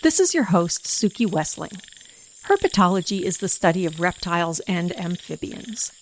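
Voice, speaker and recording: A woman hosting a podcast, giving a scripted, measured introduction. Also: lowish voice, animated, a little hiss or hum, rough recording. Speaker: podcast host. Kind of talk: scripted narration.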